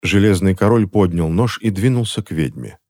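Low-voiced male audiobook narrator. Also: expressive, moderate pace, a little mellow.

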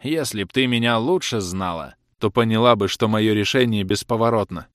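A man's voice: fairly low pitch, normal speed, fairly bright tone, dry recording, clean studio sound, natural voice. A man voicing a jealous, furious young man who hurls accusations at his lover in a raised, scornful voice. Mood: cold scornful. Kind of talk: audiobook character reading.

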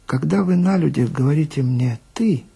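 A man acts out a conman in his fifties from a radio story, with a very raspy, creaky voice. He wheedles politely and sighs, putting on dignified airs as he pleads his case in animated swings. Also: on the high side, moderate pace, full character voice. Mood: polite pleading. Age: 50s. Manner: obsequious, sighing, wheedling, self-righteous. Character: polite, plaintive 52-year-old male marriage swindler with dignified airs. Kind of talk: dramatic monologue, character dialogue.

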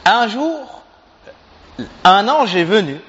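High-voiced preacher telling a story. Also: male voice, takes it slowly, breathy edge. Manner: animated, asks the audience questions. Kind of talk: sermon storytelling. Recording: reverberant hall, dull sound.

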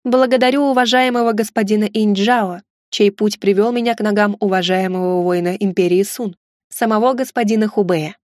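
A woman's voice: medium pitch, fairly even intonation, fairly quick, darkish tone, no room sound, studio quality, natural voice. A woman reading a polite young Venetian seafarer. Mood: respectful. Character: young Venetian male navigator, polite hero.

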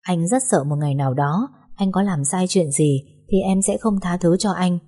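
A woman voicing a caring, troubled young husband, talking softly and reassuringly. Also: on the low side, normal speed, husky. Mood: tender. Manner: soft, reassuring, hesitant.

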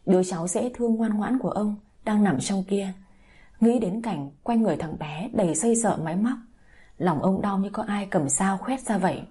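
Husky, dark-voiced woman narrator. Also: mid-range voice, normal speed. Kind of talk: scripted story narration.

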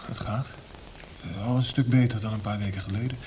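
An actor playing an earnest, puzzled army officer recovering from illness in a radio drama, speaking plainly and hesitantly. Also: male voice, fairly low pitch, steady tone, fairly quick, warm tone, slight background noise, lightly acted. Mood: subdued, friendly. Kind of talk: Dutch radio drama acting.

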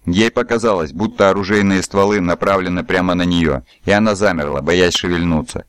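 A man with a very low voice narrates a novel as an audiobook. His reading is even and steady, recorded dry and close with no room sound. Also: a little fast, smooth, no room sound. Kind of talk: scripted narration.

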